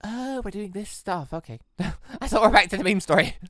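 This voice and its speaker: A let's player giving casual, rambling game commentary in an excitable manner. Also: mid-range voice, normal speed, no echo, clean studio sound. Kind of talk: casual gameplay commentary, reading dialogue aloud.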